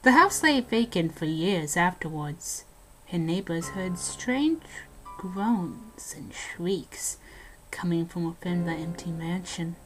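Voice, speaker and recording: A woman's voice: lowish voice, poor audio. A woman playing a brash young local telling haunted-house tales in an amateur audio drama, casual and dramatic. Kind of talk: amateur audio drama, scripted ghost storytelling.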